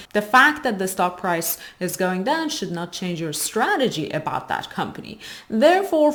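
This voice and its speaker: A woman hosting an explainer video, presenting in a didactic way and stressing key words. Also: medium pitch. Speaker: host of an investing video channel.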